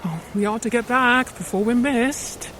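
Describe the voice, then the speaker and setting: A woman's voice: on the high side, moderate pace, a bit bright, a little hiss or hum, close to an everyday voice. A woman playing an anxious, fretful palace servant in an audio drama, worried and mildly reproachful.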